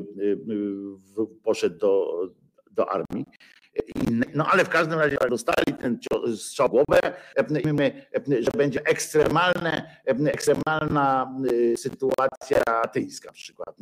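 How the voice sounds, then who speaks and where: Male host, mid-pitched, sarcastic and foul-mouthed, halting rambling delivery. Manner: sarcastic, profane, full of hesitations. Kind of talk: rambling satirical monologue.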